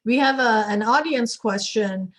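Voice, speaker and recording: A woman's voice: a little high, measured pace. A woman moderating a casual discussion, putting questions to guests in a conversational way. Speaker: panel moderator.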